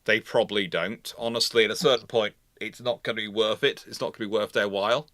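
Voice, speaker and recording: Bright-voiced, emphatic man hosting history talk. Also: on the low side, fairly even intonation, fast, dry recording, studio quality. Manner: emphatic, repeats phrases, rephrases mid-sentence. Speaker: host. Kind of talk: live question-and-answer talk on naval history.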